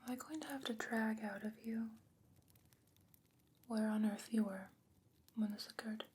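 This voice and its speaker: A woman playing a concerned, candid fantasy scholar in a whispered ASMR roleplay, speaking in a deliberate, musing way. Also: fairly high pitch, fairly even intonation, a little mellow, natural voice. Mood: gently reproachful. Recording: noticeable background noise and ambience.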